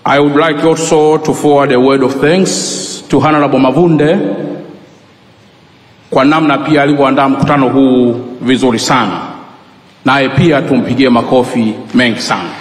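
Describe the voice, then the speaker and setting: A man giving a formal welcome speech at a conference, halting and restarting his words. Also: medium pitch, fairly even intonation. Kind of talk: formal conference speech, mixing English and Swahili. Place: large conference hall. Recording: echoey conference hall, long reverb.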